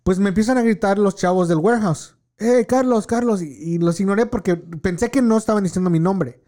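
A man talks in a high voice, in casual, profane chat. He tells a story and slips English words into his talk. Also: fairly quick, dark tone.

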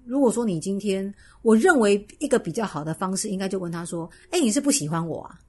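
This is a woman co-hosting a podcast, talking casually. She speaks at a quick clip in a slightly husky voice, animated as she acts out the lines she quotes. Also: medium pitch. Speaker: podcast co-host. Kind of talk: casual chat.

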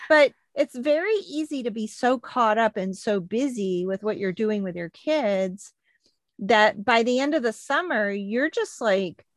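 Animated woman podcast host, lively swoops. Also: a little high, measured pace, no echo. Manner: animated, expressive. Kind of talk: casual, chatty podcast talk. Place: inside a closet at home.

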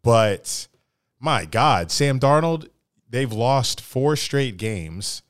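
A man co-hosting a casual sports podcast, animated and crude, talking to players as if they could hear him. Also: medium pitch, extremely slow, clear, resonant tone, dry recording, clean studio sound. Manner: animated, crude slang, talks to players as if present. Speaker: podcast co-host.

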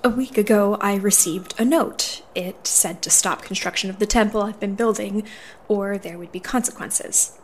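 A woman's voice: mid-range voice, normal speed, a little hiss or hum, natural voice. A woman playing an earnest, prickly dwarven paladin in an audio drama, speaking in a firm, formal, businesslike way. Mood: worried.

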